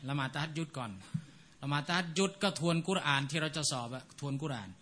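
A man with a high, very bright and sharp voice teaches a class in a relaxed, lively way. He keeps checking with his students whether they follow, and now and then he mimics other people's accents to make a point. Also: fast. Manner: animated, keeps asking rhetorical checks; mimics accents while explaining. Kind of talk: casual lecture to students.

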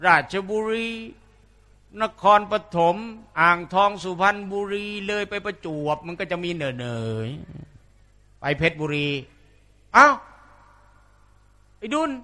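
A man giving an Islamic sermon in a lively, humorous way, mimicking regional dialects as he goes. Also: high voice, takes it slowly, creaky. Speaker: Islamic preacher.

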